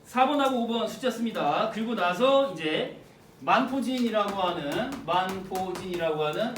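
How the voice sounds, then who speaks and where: Lively lecturing teacher, colloquial, quizzes the class, distant mic, faint background noise. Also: medium pitch, moderate pace, reverberant. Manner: colloquial, quizzing students, repeating phrases. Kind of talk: exam prep literature lecture.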